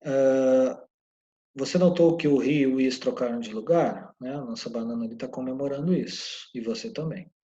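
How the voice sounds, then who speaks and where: A man's voice: medium pitch, moderate pace, dark tone. Patient male teacher on a dull recording. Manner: patient, checks in often with the viewer. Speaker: English teacher. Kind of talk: online lesson explaining grammar.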